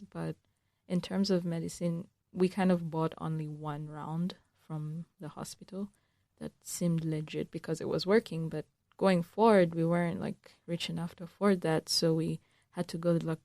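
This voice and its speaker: A young woman from Uganda, a student guest answering radio interview questions in an earnest, thoughtful way with frequent pauses. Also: on the low side, creaky, a little mellow, dry recording. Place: radio studio.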